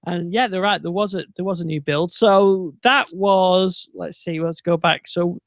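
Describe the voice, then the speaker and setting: A man with a notably high voice, hosting a relaxed tech podcast. He meanders through his points with plenty of ums and false starts. The sound is dry and close-miked. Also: a little slow, creaky, no echo. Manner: meandering, many ums and restarts. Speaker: podcast host. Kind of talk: casual tech chat.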